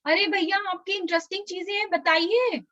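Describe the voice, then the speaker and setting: Bright high-voiced woman teaching small kids. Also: steady tone, no echo, highs cut off. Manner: coaxing, slow drilled recitation for small kids. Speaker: Sunday school teacher. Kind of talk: online children's class. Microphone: video call.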